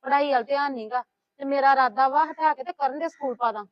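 Brief: actress as a complaining housewife, high voice, dull dry audio. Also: female voice, fast talker, dry recording, lightly acted. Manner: complaining, gossiping, soothing. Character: talkative scheming woman, middle-aged housewife. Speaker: housewife in a family drama. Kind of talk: web series acting. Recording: dull lo-fi sound.

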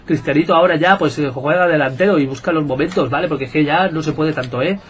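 A man with a Spain Spanish accent, giving excitable, jokey gameplay commentary and bantering with his viewers. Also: on the high side, fast, a little hiss or hum. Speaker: gaming YouTuber.

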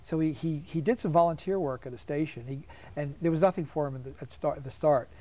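A man's voice: a little high, fast, mellow. An older man in his seventies from New York, hosting a casual TV studio interview and telling stories with frequent laughs. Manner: chatty, storytelling, laughs often. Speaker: host.

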